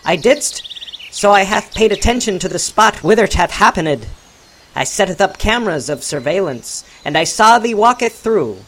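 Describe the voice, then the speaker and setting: A man's voice: high voice, expressive, moderate pace, fairly bright tone, voice pushed up, heavily acted. A man voicing a precocious six-year-old boy clone who speaks in mock-archaic English. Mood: matter-of-fact. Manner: mock-archaic speech, sassy and knowing.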